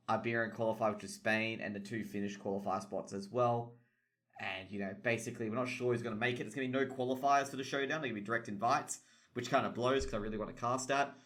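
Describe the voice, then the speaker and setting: The speaker is a young Australian who casts esports and hosts streams, casually discussing tournament news while rambling, swearing heavily, and filling gaps with filler words. His voice is on the low side with a fairly bright tone.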